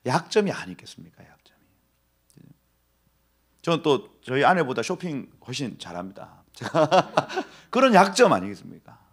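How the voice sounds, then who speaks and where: A middle-aged man, a pastor, delivering an expository sermon in an animated way, laughing often, dropping to whispers and acting out short voices. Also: mid-range voice, breathy edge.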